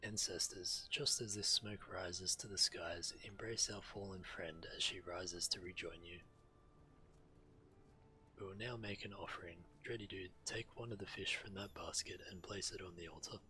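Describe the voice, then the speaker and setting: A man's voice: deep voice, steady tone, moderate pace, sharp tone, a little hiss or hum, poor audio. A man reading solemn fantasy quest dialogue of tribal villagers aloud on a game stream.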